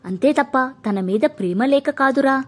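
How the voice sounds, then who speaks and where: A woman voicing a stern middle-aged mother who is proud and fierce about family honour, talking in a sharp, scolding way. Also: high voice, normal speed. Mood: pained, firm. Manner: sharp and scolding, softening into grief.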